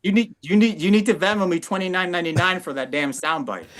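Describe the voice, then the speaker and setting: A man making deadpan, self-mocking jokes as a guest on a live stream. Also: high voice, fast talker. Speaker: guest YouTuber. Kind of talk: casual banter.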